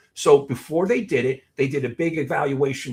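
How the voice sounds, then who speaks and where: A man speaks at a moderate pace. His voice sits fairly high and sounds somewhat breathy. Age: 60s. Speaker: internist answering viewer questions. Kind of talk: live Q&A with callers.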